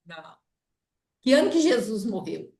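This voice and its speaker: Brazilian woman, Bible study teacher; lively, slightly high, recorded distant in a roomy space. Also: normal speed, creaky. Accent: Brazilian Portuguese. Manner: explains with frequent checks like "tá?" and "né?". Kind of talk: informal Bible study lesson. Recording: echoey room, voice off-mic.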